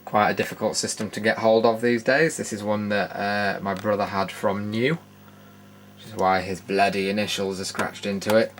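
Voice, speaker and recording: A British man with a lowish voice and a good deal of creak talks through a show-and-tell tour in a casual, unscripted way. He is matter-of-fact with dry opinions. There is clear noise behind him in the recording. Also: flat delivery, moderate pace, fairly bright tone. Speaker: video host giving a tour. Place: indoor room studio. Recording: noticeable background noise.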